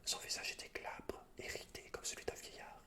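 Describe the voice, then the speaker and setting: A man reading game lore in a soft, hushed, breathy whisper, as the host of an ASMR gaming video. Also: normal speed.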